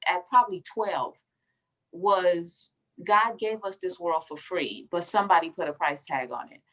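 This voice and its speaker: A woman's voice: on the low side, a little slow, fairly bright tone, low-quality recording. A woman from the Bahamas talking as an interview guest, telling her story emphatically and calling the listener baby. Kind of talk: casual interview conversation.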